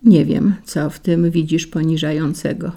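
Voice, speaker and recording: A woman voicing a calm, dignified female lily in a storybook tale, speaking gravely and firmly. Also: sits low, normal speed. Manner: grave and firm.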